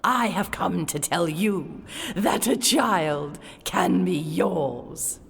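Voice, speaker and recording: An actress playing a self-assured gypsy wise woman in a dramatic audio drama, speaking in a measured, courtly, theatrical way. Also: on the low side, gravelly, big-room sound, slight background noise, full character voice. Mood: confident counsel.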